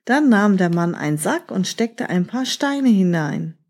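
A woman telling a children's tale in a slow, unhurried way, turning now and then to talk directly to the young listener. Her voice is mellow and softly husky. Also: mid-range voice, expressive. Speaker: storyteller. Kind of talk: reading a children's story aloud.

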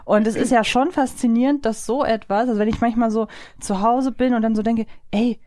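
A woman's voice: a little high, fairly even intonation, fairly quick, warm tone. A woman hosting a podcast in casual, conversational German chat. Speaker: podcast host.

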